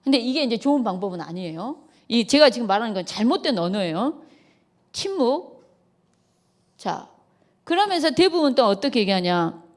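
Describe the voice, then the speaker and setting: A woman's voice: a little high, moderate pace, pauses often. A middle-aged woman, a pastor's wife, giving a lecture at a church retreat, acting out quarrels and laughing often. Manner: lively, acts out quarrels in quoted voices, laughs often.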